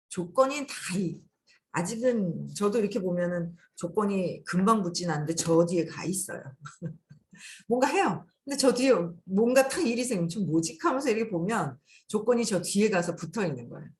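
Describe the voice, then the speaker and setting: A woman's voice: medium pitch, slight background noise. A woman hosting a casual spiritual talk, acting out quoted thoughts as she explains them. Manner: animated, acts out quoted thoughts. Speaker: host.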